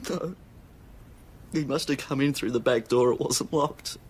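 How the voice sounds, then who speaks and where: A man's voice: mid-range voice, unhurried, breathy edge. An actor playing a distraught, defensive young father of a missing baby in a TV police drama. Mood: upset. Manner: agitated, defensive.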